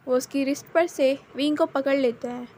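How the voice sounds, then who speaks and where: High-voiced woman narrating a story. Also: fairly even intonation, moderate pace, a little mellow, a little hiss or hum. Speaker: fan fiction narrator. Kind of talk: narrating her own fan fiction.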